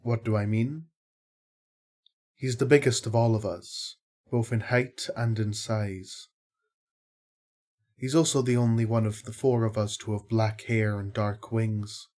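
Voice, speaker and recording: Male actor as calm fair-minded angel, slightly low voice, measured, wry, audio drama. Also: lightly acted. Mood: thoughtful. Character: kindly, fair-minded male archangel, calm ally and explainer.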